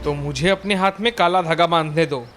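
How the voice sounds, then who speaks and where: A woman voicing a fearless twenty-two-year-old village man who speaks calmly and firmly. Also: low-pitched, fairly quick, faint music behind, pitched below the performer's own voice, lightly acted. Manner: calm, firm, respectful.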